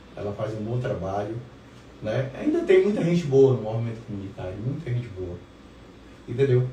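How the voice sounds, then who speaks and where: A man speaks at a medium pitch and a moderate pace with ordinary pitch variation, taking long, frequent pauses, with noticeable background noise and audible room echo. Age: 60s. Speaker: retired education worker and community activist. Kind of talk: interview. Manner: halting, with repetitions and fillers.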